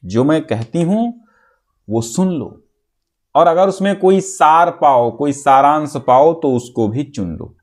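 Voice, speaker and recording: Male teacher, exam-prep lesson: slow delivery, reads verse deliberately, explains step by step, repeats key phrases. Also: mid-range voice. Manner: recites verses slowly, then explains line by line; often checks in with students, repeating phrases.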